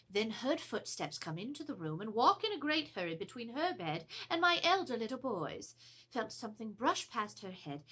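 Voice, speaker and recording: A woman's voice: on the high side, breathy edge, full character voice. A woman playing an anxious, genteel Edwardian wife in a theatrical, formal reading of a letter about a haunting. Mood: uneasy. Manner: theatrical, expressive, formal storytelling. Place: indoors, seated before a draped backdrop.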